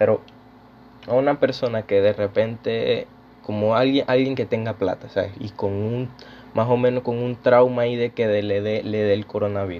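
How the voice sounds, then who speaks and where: A man with an ordinary speaking voice talks at a moderate pace. His pitch is medium, and his intonation is fairly even. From Panama. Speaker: streamer and podcaster. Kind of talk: casual live-stream chat. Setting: live stream.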